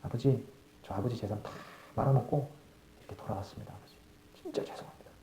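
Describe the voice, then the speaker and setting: A man acting a repentant younger son who pleads humbly in a low, quiet voice, recorded live in an echoey church. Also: fast, close to an everyday voice. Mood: ashamed, pleading.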